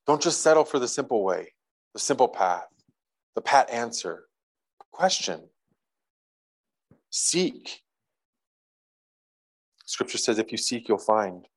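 A man's voice: medium pitch, very animated, slow pace, long pauses, rough recording. A man preaching a casual, conversational sermon to a congregation, reading scripture aloud and adding light jokes. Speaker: pastor.

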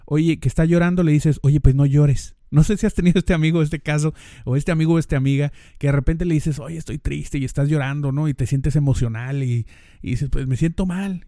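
A podcast host with a northern Mexican Spanish accent talks in a casual monologue, speaking straight to the listener and acting out little dialogues. His voice is fairly high and dark in tone, captured in a dry, studio-quality recording.

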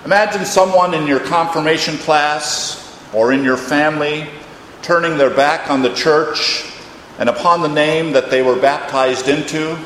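A man's voice: a little high, measured pace, a bit bright. An older man, a retired pastor, praying and reading a sermon in a church with solemn, emphatic phrasing. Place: church, during a service. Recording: echoey hall, long reverb, faint noise.

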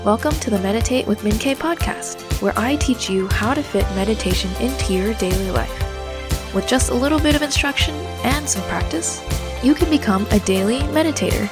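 A woman hosting a meditation podcast, guiding listeners gently through breathing and affirmations in a calming voice, with some cues softly whispered. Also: on the high side, moderate pace, music in the background. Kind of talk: guided meditation.

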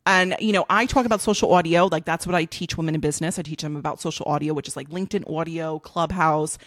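A woman's voice: deep voice, fast talker, no room sound, studio quality. A woman co-hosting a podcast in a bubbly casual chat, laughing often. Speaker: podcast co-host.

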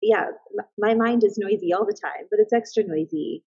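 A woman's voice: mid-range voice, brisk, warm tone, husky, no room sound. A woman in her thirties, a mother and business owner, speaking as a podcast guest in a thoughtful, earnest way, often restarting her sentences. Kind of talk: casual reflective interview talk. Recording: slightly dull, lo-fi sound.

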